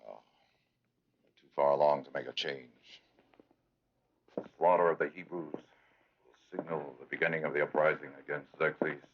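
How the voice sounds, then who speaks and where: An actor voicing a cold, calculating royal advisor in an animated Bible drama, in a measured, plotting manner. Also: male voice, a little hiss or hum. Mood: scheming. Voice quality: very deep and husky. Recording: dull lo-fi sound.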